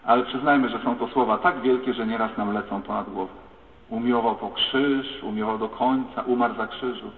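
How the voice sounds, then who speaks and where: A man's voice: mid-range voice, a little fast. Man preaching in an echoey hall. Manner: lively, acts out quoted voices, addresses listeners directly. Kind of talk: sermon with storytelling. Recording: echoey hall, tinny phone-like sound.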